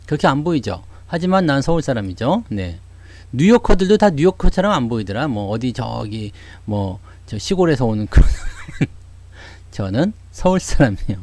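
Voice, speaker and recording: A man's voice: medium pitch, very animated, normal speed, darkish tone, no room sound. A middle-aged man from Seoul hosting a casual stock-market livestream, chatty and joking, dropping frequent asides as he answers viewers. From Seoul, South Korea. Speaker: stock market YouTube host.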